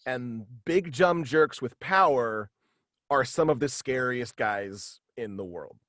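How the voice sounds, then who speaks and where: A man talking casually as an interview guest on a video call, halting and animated in manner. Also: medium pitch, no echo, studio quality. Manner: halting and animated, slipping into quoted dialogue. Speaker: guest, voice actor and author. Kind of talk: casual interview chat about own radio play. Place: indoors at home, on a video call.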